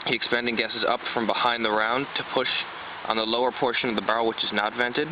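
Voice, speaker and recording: A man with a medium-pitched, flat voice talks fast, giving a casual, enthusiastic hands-on product review that rambles informally. The lo-fi recording sounds dull, with loud road noise from traffic and passing buses and cars.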